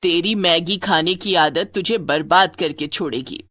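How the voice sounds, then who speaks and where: A woman's voice: on the low side, a little slow, a bit bright, dry recording, clean studio sound, voice pushed down. A woman voicing a scolding mother-in-law. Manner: scolding, nagging. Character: stern scolding middle-aged mother-in-law.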